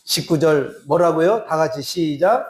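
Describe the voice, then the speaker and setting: Male pastor, sermon in a church, unhurried delivery, acts out dialogue. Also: a little high. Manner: slow, drawn-out preaching with acted-out dialogue. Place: church sanctuary.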